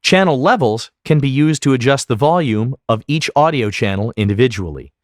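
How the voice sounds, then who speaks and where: A man narrating a software tutorial as an instructor, explaining each step methodically. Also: medium pitch, lively intonation, moderate pace, no echo, clean studio sound. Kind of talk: instructional screen-recording narration.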